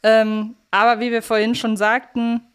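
A woman's voice: a little high, little pitch movement, moderate pace, clear, resonant tone. A woman co-hosting a podcast, casually discussing an audio drama series, agreeable and thinking aloud as she goes. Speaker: podcast co-host.

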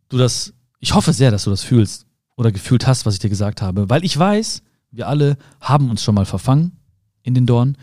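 Man, podcast host, reflective self-help talk, calm, speaks straight to the listener, dry close sound. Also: mid-range voice, no echo. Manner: calm, addresses the listener directly, rephrases often.

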